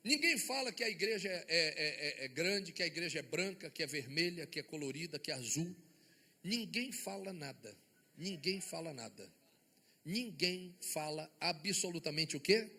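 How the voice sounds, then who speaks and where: Emphatic Brazilian bishop preaching in a reverberant church. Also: male voice, a little high, normal speed, few pauses, bright, forceful tone, breathy edge. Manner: emphatic, asks the congregation rhetorical questions. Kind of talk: sermon. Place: church sanctuary before a congregation.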